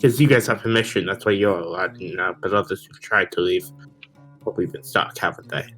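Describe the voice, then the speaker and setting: A man's voice: low-pitched, fairly quick, fairly bright tone, soft background music, low-quality recording. A man playing a tabletop role-playing game in a casual, conversational style. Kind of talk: casual in-character game chat.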